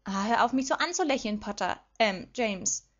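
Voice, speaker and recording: A woman voicing a grumpy, sharp-tongued teenage witch in a fan fiction audiobook, speaking in a sulky, snappish way. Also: fairly high pitch, expressive, moderate pace. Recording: slightly dull lo-fi recording.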